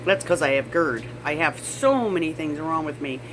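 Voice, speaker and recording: Over noticeable background noise, a woman with a very deep, low pitch speaks with lively intonation. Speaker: vlogger. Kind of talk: personal monologue. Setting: video recording. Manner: halting; stutter.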